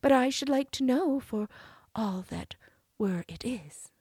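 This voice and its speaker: A woman voicing a young princess who coaxes and wheedles in a raised, sweet voice, breathy throughout. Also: a little high, expressive, a little slow, mellow, dry recording, clean studio sound, voice pushed up, exaggerated voice. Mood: coaxing. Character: young princess, coaxing and cunning.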